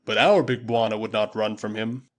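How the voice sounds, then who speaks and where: A man's voice: fairly low pitch, steady tone, moderate pace, lightly acted. A male audiobook reader voicing a proud, loyal tribal warrior who speaks emphatically and respectfully to his master. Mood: earnest. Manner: emphatic, earnest, deferential. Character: proud loyal African tribesman, warrior servant.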